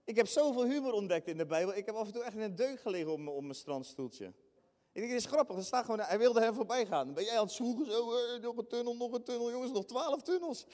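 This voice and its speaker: A man preaching a lively sermon, acting out scenes with sudden high shrieks and bursts of laughter. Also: fast talker. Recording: long hall reverb in a church.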